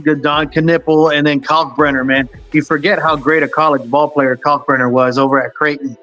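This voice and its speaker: A man's voice: a little high, level tone, moderate pace, bright, forceful tone, soft background music. A man hosting a casual sports talk show, rambling with lots of fillers and restarts. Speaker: sports podcast host.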